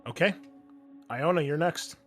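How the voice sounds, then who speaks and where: A man's voice: fairly high pitch, measured pace, soft background music. A man running a tabletop game as game master, informal and thinking aloud as he narrates and checks rules.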